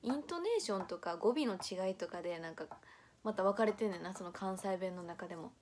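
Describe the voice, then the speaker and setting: A young woman from Nara speaks with a relaxed Kansai accent, chatting casually as a livestream host. She reads viewer comments aloud and breaks into laughter often. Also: medium pitch, a little fast, slight background noise. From Nara, Japan. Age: young adult.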